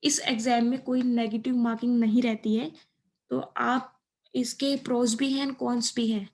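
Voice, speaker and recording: A woman giving an informal exam-preparation explainer, mixing in English terms and often checking in with a short tag phrase. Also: a little high. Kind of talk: informal explainer lesson over slides.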